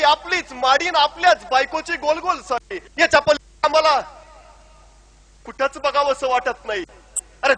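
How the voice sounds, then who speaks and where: A man giving an impassioned public speech, declaiming and telling a story with rhetorical questions. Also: extremely high pitch. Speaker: public speaker.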